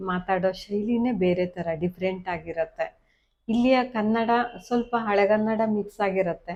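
Dark, mellow tone in a woman's medium-pitched voice. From Sirsi, Uttara Kannada, Karnataka. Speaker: vlogger. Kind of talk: vlog talk to camera; dialect word comparison.

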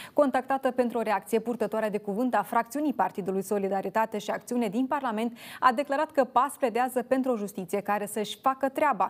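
A woman speaks at a fairly high pitch with ordinary pitch variation. Her pace is fairly quick. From Moldova. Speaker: news anchor. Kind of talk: news reading. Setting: studio. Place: studio. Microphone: lapel.

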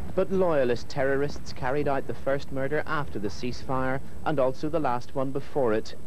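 At a moderate pace, a man talks with ordinary pitch variation, the sound dry with no echo over light background noise. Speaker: news correspondent. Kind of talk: news report voiceover. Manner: grave and measured. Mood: serious, measured.

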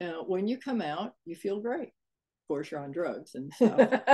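A woman speaks at a fairly slow pace with a dark, mellow tone. Her pitch swings very widely, and the background is quiet. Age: 80s+. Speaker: retired dance professor. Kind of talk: interview answer. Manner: energetic. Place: home room. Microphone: webcam.

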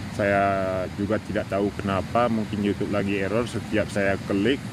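The sound is dry with no echo, and background noise is noticeable. The pace is moderate. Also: man. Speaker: farmer vlogger. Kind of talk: casual vlog chat. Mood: calm, friendly. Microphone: phone near.

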